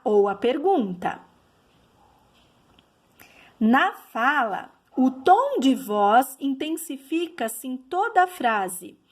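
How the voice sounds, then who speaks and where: A woman teacher giving a video lesson, explaining patiently and checking in with her class as she goes. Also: a little high.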